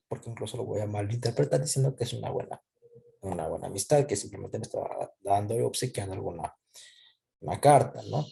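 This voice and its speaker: A man's voice: mid-range voice, vocal fry, dark tone. A man teaching a lesson, explaining step by step, posing questions and answering them himself with frequent check-in tags.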